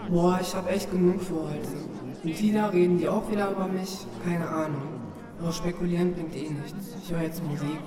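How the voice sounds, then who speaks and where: Fed-up, low-voiced trans woman, played by a woman. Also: steady tone, moderate pace, a crowd in the background, natural voice. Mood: weary, fed up. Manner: slangy, exasperated muttering to self. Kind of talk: inner-monologue radio play, colloquial. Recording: roomy, distant, music behind.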